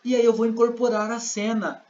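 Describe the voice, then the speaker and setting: A man's voice: very high voice, little pitch movement, fairly quick, a little mellow. Brazilian man teaching in an echoey room. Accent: Brazilian Portuguese. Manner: explains with examples, acts out scenes. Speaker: sign language interpreting teacher. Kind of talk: classroom lesson. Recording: roomy, dull lo-fi sound.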